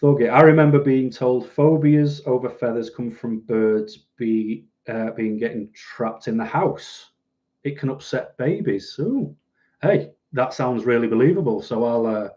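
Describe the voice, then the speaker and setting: Mellow northern English man, softened Mancunian accent. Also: medium pitch, normal speed, highs cut off. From northern England, Manchester. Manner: rambling, dry, sardonic. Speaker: livestream host. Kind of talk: casual livestream chat, reading out and answering viewers' comments.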